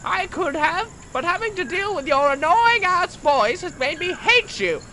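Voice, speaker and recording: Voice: very high-pitched, expressive, measured pace, sharp tone, full character voice. An actor voicing a sassy female talking chicken in an audio drama, with a blunt, snippy manner. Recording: faint background noise.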